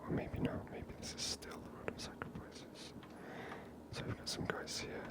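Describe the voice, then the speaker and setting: A man whispering unhurried ASMR commentary over a video game, breathy and musing aloud as the host.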